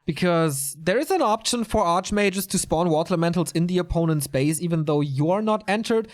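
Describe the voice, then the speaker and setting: Working alone on a live strategy game tournament, a man commentates in a relaxed, talkative way and replies to viewers' messages along the way. His voice is high-pitched and his pace slightly quick.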